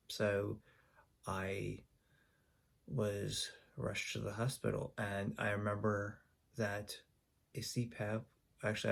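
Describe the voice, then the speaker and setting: Low gravelly man telling a story haltingly. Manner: halting, with frequent ums and restarts. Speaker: YouTuber. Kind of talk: personal storytelling to camera.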